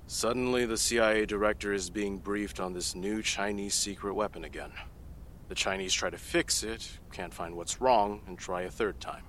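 A man's voice: lowish voice, moderate pace, fairly bright tone, slight background noise, close to an everyday voice. A man playing a CIA analyst giving testimony in an audio drama, matter-of-fact and growing incredulous. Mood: skeptical. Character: guarded male CIA analyst under questioning.

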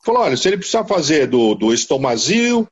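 An older man with a Paulistano accent from Mooca, a veteran radio broadcaster, telling stories in a lively casual interview. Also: fast, husky, lo-fi sound. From São Paulo, Brazil. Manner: animated storyteller, leaps in pitch for emphasis. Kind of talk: casual storytelling interview over an online call.

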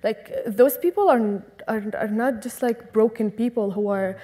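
A woman's voice: on the high side, normal speed, warm tone. A young woman from Syria, speaking earnestly and with passion as an interview guest. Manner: earnest and impassioned. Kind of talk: conversational interview.

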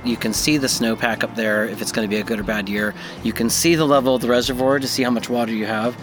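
A man speaking in a relaxed, conversational way, interviewed outdoors on a roof deck. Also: mid-range voice, fast talker, music in the background. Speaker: interviewee, homeowner. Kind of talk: casual interview.

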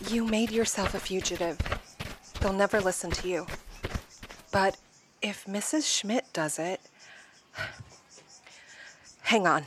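Woman playing worried protective sister, mid-pitched voice, clear noise behind, space radio play. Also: slow pace, pauses often, close to an everyday voice. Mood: alarmed. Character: anxious, protective sister in a dystopian space drama. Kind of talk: audio drama acting.

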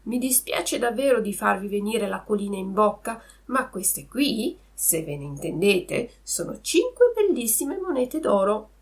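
A woman voicing a naive, excitable wooden puppet boy in a storybook reading. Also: medium pitch, measured pace, gravelly, few pauses, recorded from a distance. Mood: eager.

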